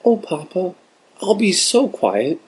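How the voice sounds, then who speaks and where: A man's voice: high voice, big pitch swings, slow, a little mellow, husky, pitched above the performer's own voice, full character voice, poor audio. A man voicing an eager young girl who earnestly pleads with her father in a storybook reading. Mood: pleading.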